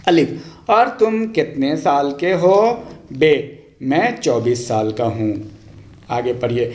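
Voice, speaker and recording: A man giving a language lesson, reading practice sentences aloud in a deliberate, instructive way, line by line. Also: a little high, a little mellow. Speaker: language teacher. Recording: echoey untreated room.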